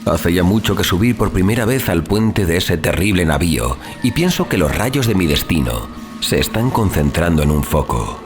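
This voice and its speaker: A deep male voice narrates a gothic horror story over clearly audible music. His delivery is solemn and theatrical, with widely swinging intonation that suits old literary prose. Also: sing-song, moderate pace. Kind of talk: dramatic scripted audiobook narration of a horror tale. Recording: music under the voice.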